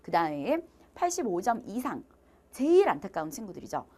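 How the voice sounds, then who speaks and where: A woman's voice: mid-range voice, very animated, fairly quick, dark tone. A woman teaching exam prep who switches between polite speech and casual talk aimed at her students. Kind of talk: lively lecture promo talk to students.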